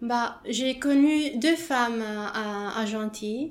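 Delivered at a very slow pace with an Italian accent, the speech has ordinary pitch variation and audible room echo. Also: woman. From Italy. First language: Italian (speaking French). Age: 50s. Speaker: visual artist. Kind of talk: interview. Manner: halting, many hesitations.

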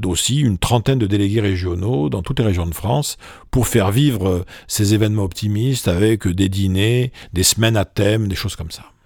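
This man has a normal speaking voice with a fairly low pitch, ordinary pitch variation and a moderate pace on a very clean recording with a silent background. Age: 60s. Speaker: professor. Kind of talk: interview.

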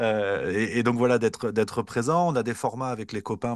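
Behind this man, things stay quiet. He moves along at a fairly quick pace. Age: 20s. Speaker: online news commentator and comedian. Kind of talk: interview. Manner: halting.

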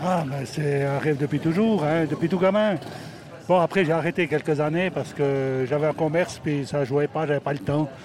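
Amid noticeable background noise, a man speaks at a moderate pace with ordinary pitch variation. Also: fairly high pitch for a man. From Switzerland. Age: 70s. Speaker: retired biker. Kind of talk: casual interview.

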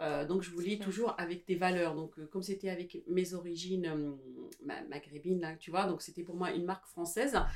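A woman with a fairly low pitch and ordinary pitch variation speaks against noticeable background noise. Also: moderate pace. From Algeria, Constantine. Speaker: small business founder. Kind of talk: interview.

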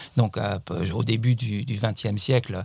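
The man's voice comes across as somewhat breathy. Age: 60s. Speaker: landscape gardener and author. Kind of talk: casual chat. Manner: halting.

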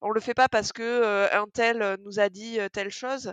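A woman's fairly high voice with fairly even intonation, a dry, close sound with no echo, and a quiet background. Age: 20s. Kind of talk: interview. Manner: hesitant, many fillers.

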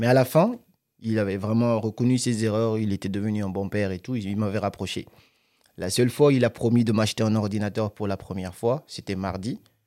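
A man's fairly low, dark and mellow voice at a fairly quick pace, with fairly even intonation and a dry, close sound with no echo. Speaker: life coach and content creator. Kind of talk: interview.

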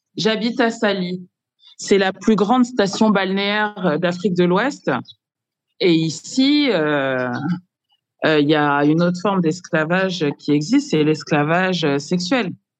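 A woman at a medium pitch, very slow, with long, frequent pauses, lively intonation and very even loudness. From Paris region, France. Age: 40s. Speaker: spiritual therapist and coach. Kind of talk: interview conversation.

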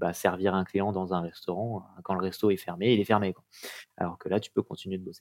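Big swings in loudness mark a man's monotone, flat delivery at a fairly quick pace. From Paris region, France. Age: 30s. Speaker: entrepreneur. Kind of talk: interview conversation. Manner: halting, many repetitions and fillers.

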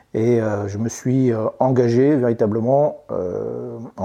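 Here a man has a dark, mellow tone. His pitch is medium, with ordinary pitch variation. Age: 50s. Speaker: retired army colonel, military essayist. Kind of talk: interview. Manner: hesitant, many fillers and repetitions.

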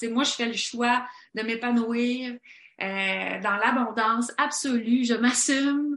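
A high-pitched woman talks at a fairly slow pace with monotone, flat intonation. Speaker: entrepreneur and cookbook author. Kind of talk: podcast interview.

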